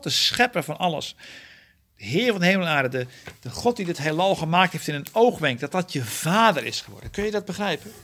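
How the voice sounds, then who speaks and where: A man with a somewhat higher voice teaches a small Bible study group. He works through the text verse by verse, correcting himself as he goes. He keeps turning to his listeners with questions to check they follow. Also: a bit bright, a little hiss or hum. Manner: earnest, often asks the group questions; explains verse by verse, self-correcting.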